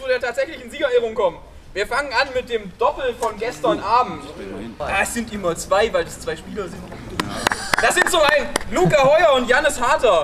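A man with an extremely high pitch speaks at a moderate pace, leaving long, frequent pauses. Noticeable background noise runs underneath. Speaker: disc golf club organizer. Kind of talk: interview. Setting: outdoors.

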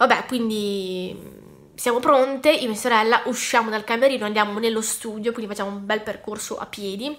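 A woman speaks at a fairly high pitch with fairly even intonation. Noticeable background noise runs behind her. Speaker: YouTuber. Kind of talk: casual chat. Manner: hesitant with fillers.

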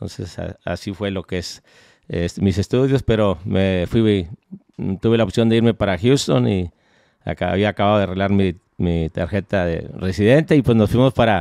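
A man's dark, mellow, fairly low voice at a moderate pace, dry with no echo and a quiet background. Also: ordinary pitch variation. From northern Mexico, Marín, Nuevo León; Nuevo León, Mexico. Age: 60s. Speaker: Tejano music announcer. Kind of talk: interview. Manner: halting, many fillers. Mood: relaxed, reminiscing. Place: studio. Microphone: studio mic.

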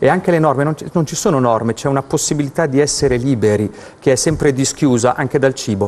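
A man talks at a very fast pace. His fairly high voice shows ordinary pitch variation. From northern Italy, Milan; northern Italy. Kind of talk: studio panel discussion. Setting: TV studio with audience. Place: studio. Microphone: lapel.

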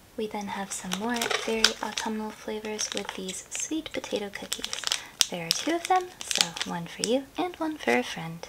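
Soft-spoken, a woman talks at a moderate pace with very wide pitch swings over loud background noise. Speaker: ASMR creator. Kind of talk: ASMR unboxing. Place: home room.

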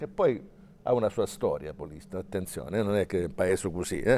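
With vocal fry throughout, a man's voice moves through very wide pitch swings. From Calabria. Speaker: TV host. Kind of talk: TV talk show discussion. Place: studio. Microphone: lapel.

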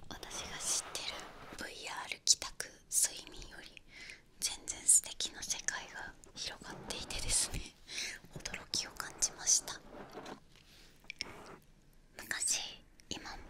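Someone whispers at a very slow pace, with long, frequent pauses and big swings in loudness. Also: woman. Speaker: ASMR creator. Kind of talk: soft ASMR chat. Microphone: studio mic.

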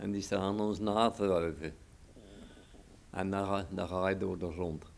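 A man's fairly low voice at a very slow pace, with light background noise. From Netherlands, West Friesland. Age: 80s+. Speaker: war veteran. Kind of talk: interview answer. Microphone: handheld.

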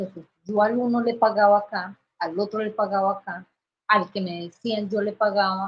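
A somewhat breathy woman with a Bogotá accent speaks at a moderate pace and medium pitch, her intonation monotone and flat. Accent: Bogotá Colombian Spanish. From Colombia, Bogotá. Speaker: former teacher giving a faith testimony. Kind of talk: testimony. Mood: earnest, reflective. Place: home room. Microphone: video call.

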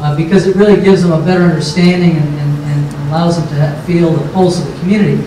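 A man with a high pitch talks at a very fast pace, hardly pausing, in a monotone, flat intonation. The audio carries audible room echo and noticeable background noise. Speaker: local elected official. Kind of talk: panel presentation. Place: hall.

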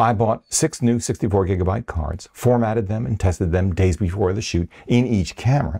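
Over a quiet background, a man talks at a moderate pace in a fairly low, somewhat breathy voice with ordinary pitch variation. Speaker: video creator, gear reviewer. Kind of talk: talking-head tech commentary. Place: home room.

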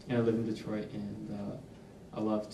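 Noticeable background noise sits behind a man speaking with monotone, flat intonation. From US Northeast. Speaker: panelist, convert to Islam, former teacher; panelist. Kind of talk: personal testimony. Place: meeting room.

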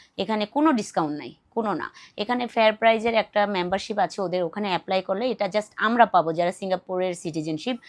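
With big swings in loudness, a woman speaks at a medium pitch with ordinary pitch variation, in a dry, close sound with no echo over a quiet background. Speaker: vlogger. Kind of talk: casual vlog talk.

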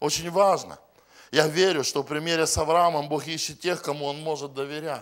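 Moderate-paced speech with monotone, flat intonation over a quiet background. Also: man. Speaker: visiting preacher. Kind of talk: sermon. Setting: church with congregation. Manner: earnest, urgent, pleading preaching; rhetorical questions drive it; conversational, self-deprecating humor, with asides. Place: church. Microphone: handheld.

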